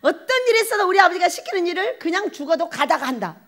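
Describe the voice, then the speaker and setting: Woman pastor, high and swooping voice; animated folksy sermon with questions to the congregation. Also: fast talker. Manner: acts out quoted voices with laughter. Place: prayer retreat sanctuary.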